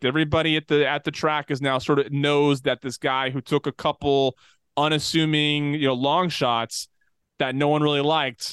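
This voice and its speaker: A man with a normal speaking voice, fairly high pitch and a moderate pace. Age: 30s. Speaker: podcast host discussing gambling movies. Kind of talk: casual chat.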